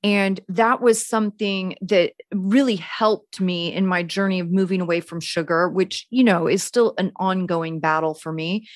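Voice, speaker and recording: A woman's voice: on the low side, fairly even intonation, normal speed, hardly any pauses, no echo. Chatty woman host with a dry sound. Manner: casual, chatty, lots of "like". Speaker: podcast host. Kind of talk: podcast conversation.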